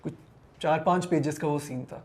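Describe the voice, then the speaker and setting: A male actor in an interview, recounting a shoot earnestly and mixing two languages. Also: on the high side. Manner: earnest, mixing Urdu and English. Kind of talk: casual interview chat.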